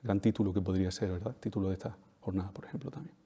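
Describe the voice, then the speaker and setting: A man whose first language is Spanish lectures at a talk in a low, mellow, husky voice with fairly even intonation. He hammers his points home by repeating phrases and tagging on quick questions to the audience. A long hall reverb colors the sound.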